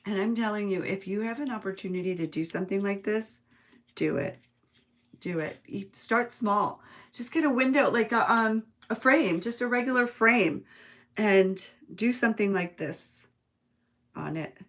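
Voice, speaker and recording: The woman at the craft table on a weekend livestream, thinking out loud and chatting easily with whoever drops in. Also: medium pitch, moderate pace. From United States. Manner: chatty, musing aloud, chuckling often. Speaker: host of a live craft stream. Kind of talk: casual craft-along chat, reading viewer comments.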